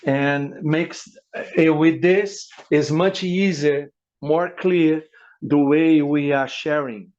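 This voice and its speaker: Spanish-accented male interpreter, fairly high voice, halting delivery, dull lo-fi call audio. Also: steady tone, darkish tone. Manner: halting, searching for words, many fillers. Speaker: volunteer interpreter. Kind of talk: live consecutive interpreting on a video call. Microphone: video call.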